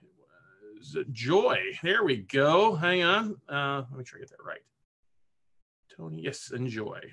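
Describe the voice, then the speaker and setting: A male host speaking on a video call in a live stream. His voice is bright and clear, and he talks in a casual, upbeat way with plenty of fillers. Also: on the high side, sing-song, a little slow. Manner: upbeat, chatty, lots of fillers. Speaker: podcast summit host.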